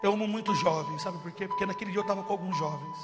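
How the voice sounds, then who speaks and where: Impassioned high-voiced male preacher. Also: rapid-fire, long reverb tail, over loud music. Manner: impassioned, swings from loud cries to hushed. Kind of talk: testimony sermon.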